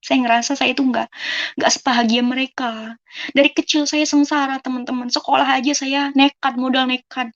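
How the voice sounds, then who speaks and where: A young woman from Indonesia shares her personal testimony in an easy, conversational way. Her voice sits somewhat high, and she replays the dialogue of the people in her story as she goes. The recording is muffled and lo-fi. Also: level tone, brisk. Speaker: testimony speaker.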